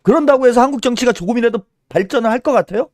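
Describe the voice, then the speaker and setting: A man's voice: extremely high pitch, animated, very fast, darkish tone, no echo, studio quality. A man doing solo political commentary in a scolding tone, firing rhetorical questions and tagging them with a pushy "eh?".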